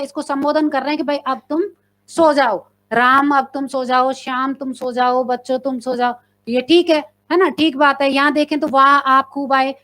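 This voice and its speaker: A woman's voice: sits high, a bit bright. A woman teacher leading a live exam-prep class, reading out questions and options, quizzing her viewers and confirming their answers. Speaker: Hindi teacher.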